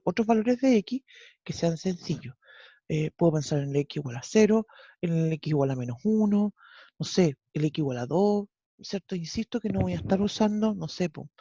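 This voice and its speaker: A math teacher with a Chilean accent works through a problem in an online class, step by step. The voice is mellow, and the lo-fi audio sounds dry, with no room around it. The teacher keeps checking that the students follow. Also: medium pitch, husky, no room sound. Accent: Chilean Spanish. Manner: explains step by step, often checks with "¿cierto?".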